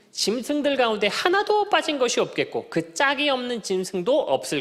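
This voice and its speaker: A man's voice with very wide pitch swings. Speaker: pastor and cult counselor. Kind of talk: seminar lecture. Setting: live seminar with audience. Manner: fast.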